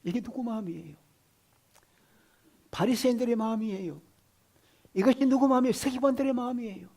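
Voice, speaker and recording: Preaching briskly in a fairly high voice, this pastor alternates between loud exclamations and quiet whispers. He asks his congregation one question after another.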